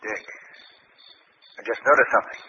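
Bold, forceful old-radio spaceman. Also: normal speed. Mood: tense, urgent. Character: bold, impulsive male spaceman eager to take risks. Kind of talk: 1950s radio drama acting. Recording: dull, noisy 1950s radio recording.

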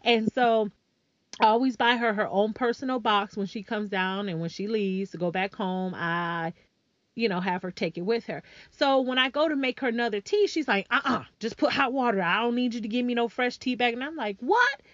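Animated woman host telling a story. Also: a little high, moderate pace, no room sound. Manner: animated, addresses listeners as y'all. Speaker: podcast host. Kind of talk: casual storytelling chat. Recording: dull lo-fi sound.

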